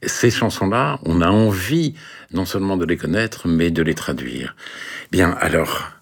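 Casting: male interview host, very low husky voice, measured and courteous. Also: lively intonation. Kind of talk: formal interview questions.

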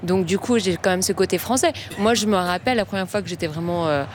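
A woman's voice: on the low side, quick pace, slight background noise. Chatty, laughing woman guest. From France (grew up in Brittany). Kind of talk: casual chat.

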